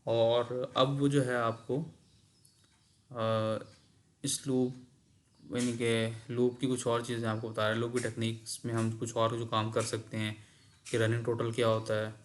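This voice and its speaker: A man's voice: mid-range voice, completely flat delivery, a little slow, slight background noise. A man teaching a programming lesson, reading textbook lines in English and explaining them, repeating the key points.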